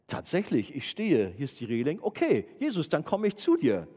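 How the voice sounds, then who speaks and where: A man voicing an eager, bold male disciple who is amazed to stand on water, his voice pushed higher and excited. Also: moderate pace, husky, in a large hall, full character voice. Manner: excited, higher-pitched, wondering.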